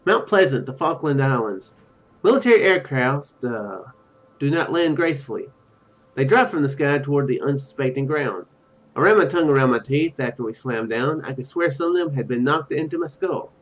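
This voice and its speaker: Speaking at a moderate pace in an animated mid-range voice, a man in his thirties narrates game text for his stream and breaks away to muse and fix his own remarks. The setting is a small room at home, with game music audible under a dull, lo-fi recording.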